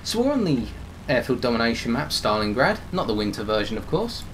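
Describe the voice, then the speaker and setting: A man commentating over his own game footage, slightly hoarse as he is losing his voice, explaining tactics with frequent restarts. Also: medium pitch, very animated, fairly quick, fairly bright tone, a little hiss or hum, rough recording. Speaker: gameplay commentator.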